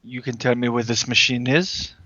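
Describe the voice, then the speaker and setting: A man's voice: medium pitch, flat delivery, moderate pace, pushed and bright, dry recording, lo-fi sound. A man voicing a courteous tree man in a tabletop game. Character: polite French-speaking tree man.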